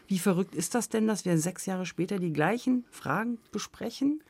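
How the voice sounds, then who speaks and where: A woman's voice: mid-range voice, lively intonation, normal speed, darkish tone, slightly rough, no echo. Woman host asking short probing questions. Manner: probing, brief follow-up questions. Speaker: radio host, moderator. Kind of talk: moderating a studio discussion.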